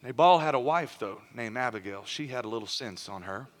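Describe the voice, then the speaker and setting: Bright-voiced preacher in an echoing hall. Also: male voice, medium pitch, expressive, a little fast. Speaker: pastor. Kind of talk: sermon.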